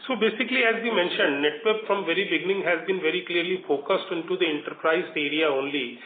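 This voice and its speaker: An Indian man answers as a company executive on an earnings call, circling back over his points with emphasis. His voice sits a little high. The sound is a thin, echoing telephone connection. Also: fast. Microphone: conference call phone. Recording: roomy, noisy narrowband conference phone line.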